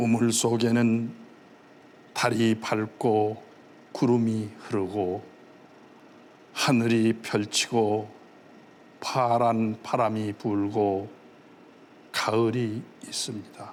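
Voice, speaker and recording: A man's medium-pitched, monotone voice with flat intonation, a very slow pace and long, frequent pauses. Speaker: actor and former voice actor. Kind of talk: poetry reading.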